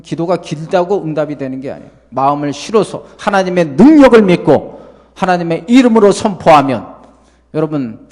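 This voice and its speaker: A male pastor preaching a sermon to his congregation, lively and full of rhetorical questions. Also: a little high, in a large hall. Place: church sanctuary.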